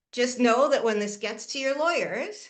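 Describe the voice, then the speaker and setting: A woman speaks with a Canadian accent and lively intonation. Audible room echo surrounds her voice. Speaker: family mediator. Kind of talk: webinar presentation. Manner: fast.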